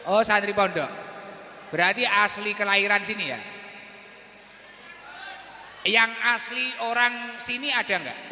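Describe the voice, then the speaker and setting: A man, a preacher chatting with his audience and teasing them with quick questions on a handheld mic. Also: sits high, bright, forceful tone. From East Java, Indonesia. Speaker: preacher hosting a gathering. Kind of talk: casual chat with audience members. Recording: roomy hall reverb with faint noise.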